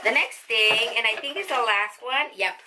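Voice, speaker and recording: A woman reviewing products in a chatty vlog, with excited exclamations. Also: fairly high pitch, moderate pace, background noise. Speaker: unboxing vlogger.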